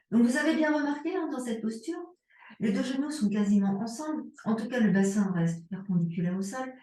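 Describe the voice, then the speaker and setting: A woman yoga instructor calmly cueing breath and movements, leading a guided yoga and strengthening class. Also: on the high side, distant mic. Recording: echoey room, voice from away from the mic.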